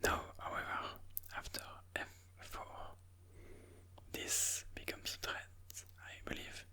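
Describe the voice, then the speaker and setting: An ASMR host delivers chess commentary in a bright, pushed whisper, breathy and without voicing. Each move is explained at a slow, deliberate pace.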